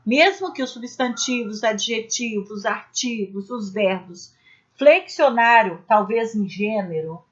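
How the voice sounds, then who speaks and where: A woman's voice: on the high side, a little slow. A woman teaching an exam-prep grammar lesson, walking through each rule step by step with examples and checking in with her viewers. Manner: addresses viewers as "gente" with frequent "né?" tags; explains rules step by step with spoken examples. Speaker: Portuguese language teacher. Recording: dull lo-fi recording.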